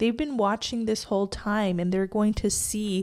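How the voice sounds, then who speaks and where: A woman with an unremarkable speaking voice talks at medium pitch with ordinary variation, on a very clean recording with a silent background. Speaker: tarot reader. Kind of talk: tarot reading.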